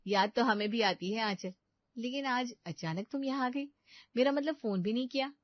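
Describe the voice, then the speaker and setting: A woman's voice: on the high side, moderate pace, dry recording, natural voice. A woman voicing a young, frustrated daughter-in-law who pleads and complains in a raised voice, in a dry, dull recording. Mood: complaining.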